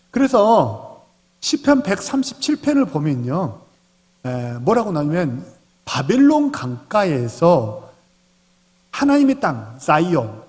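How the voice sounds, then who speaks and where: A man, the senior pastor, preaching a Sunday sermon and often putting questions to the congregation. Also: high-pitched. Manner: animated, asks the congregation questions. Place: church sanctuary. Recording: long reverb of a church hall.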